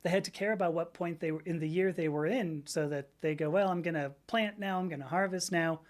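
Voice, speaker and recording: A woman's voice: on the low side, fairly quick. A woman in her fifties hosting a livestream, chatting casually in a rambling way, laughing often and reading out viewers' comments. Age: 50s. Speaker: livestream host.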